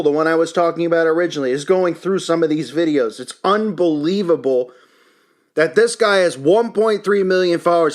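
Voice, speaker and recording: A man delivers an indignant, emphatic, unscripted opinion rant as a commentary host. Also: sits high. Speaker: YouTube commentary channel host.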